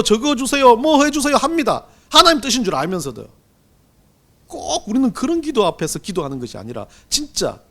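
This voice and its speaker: A middle-aged man preaching a Sunday sermon as pastor, swinging between loud and hushed delivery. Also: sits high. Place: church sanctuary.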